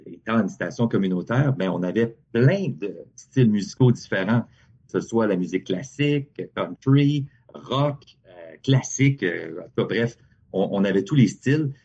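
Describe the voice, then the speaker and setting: A man's voice: lowish voice, normal speed, vocal fry, breathy edge, lo-fi sound. A man, a radio guest telling stories casually in a podcast chat. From Hearst, Ontario. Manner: relaxed storytelling, frequent restarts. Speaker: guest, radio music director.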